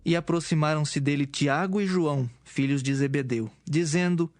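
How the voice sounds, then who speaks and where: A man's voice: fairly high pitch, normal speed, a little mellow, no echo, clean studio sound, soft background music. A man reading scripted narration for a dramatized audio Bible.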